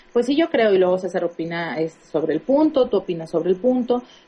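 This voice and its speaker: A woman's pitch swings very widely as she talks at a fairly quick pace, with noticeable background noise behind her. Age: 30s. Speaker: radio show co-host. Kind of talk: casual chat.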